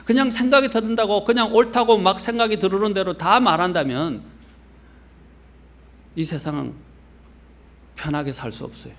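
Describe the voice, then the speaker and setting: A middle-aged male pastor from Korea's Gyeongsang region with a faint Gyeongsang accent, giving a measured, earnest sermon that rises to stress points and drops low at phrase ends. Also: a bit bright.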